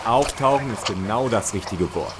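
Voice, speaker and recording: A man's voice: lowish voice, expressive, moderate pace, heavy background noise, natural voice. A man playing a matter-of-fact, dryly witty police officer in a crime audio drama.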